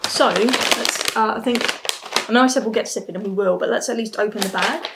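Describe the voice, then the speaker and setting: A woman in her twenties reviews beer and snacks to camera while seated at a table in a small, plain room at home. She muses casually and keeps restarting her thoughts, talking briskly in a voice on the high side. The recording is very noisy.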